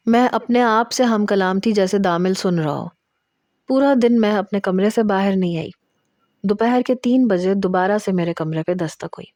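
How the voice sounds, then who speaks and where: Mellow woman narrating a romance. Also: mid-range voice, no room sound, clean studio sound. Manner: steady, intimate storytelling with emotional emphasis in quoted lines. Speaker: storyteller. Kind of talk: first-person romantic story narration.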